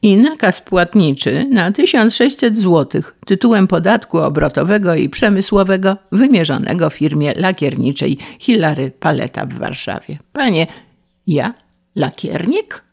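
A man's voice: high voice, expressive, unhurried, vocal fry, voice pushed up, heavily acted. Man doing a wailing, desperate lacquerer. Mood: wailing despair. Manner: wailing, groaning complaints. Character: desperate, luckless middle-aged male lacquerer.

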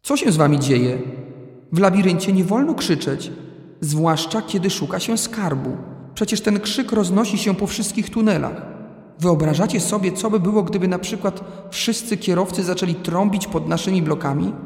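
A man voicing a patient father who calmly lectures his sons about following rules in an audiobook. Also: high voice, normal speed, roomy sound, long reverb tail. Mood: instructive. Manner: calm, instructive, mildly scolding. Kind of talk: audiobook character reading.

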